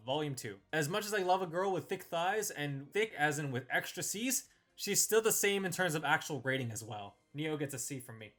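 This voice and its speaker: A man's voice: on the high side, a bit bright. A man hosting a casual ranked-list review, giving opinionated commentary on characters.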